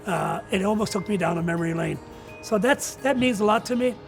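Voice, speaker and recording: An older man, a retiring coach, giving earnest, reflective interview answers in a deliberate way with pauses. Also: sits high, gravelly, faint music behind. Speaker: retiring college soccer coach.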